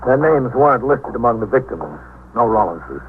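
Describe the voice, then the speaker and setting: An actor playing a calm, fatherly police captain who also narrates the case, in 1950s radio drama style. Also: medium pitch, lightly acted. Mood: gentle. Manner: steady, gentle, measured. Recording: tinny, faintly noisy 1950s radio recording.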